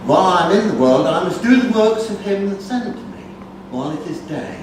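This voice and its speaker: In a high, animated, brisk voice, a man portrays Jesus as a grave, authoritative adult, solemnly and emphatically declaiming scripture in a dramatic recitation. The recording is noisy, captured from far off in an echoey conference hall.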